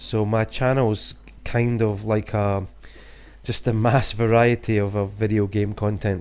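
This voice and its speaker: In a Scottish accent, a man speaks with fairly low pitch at a fairly slow pace. His intonation is monotone and flat, and his loudness is very even. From Scotland. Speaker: gaming YouTuber. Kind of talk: gameplay commentary. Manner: hesitant, many fillers.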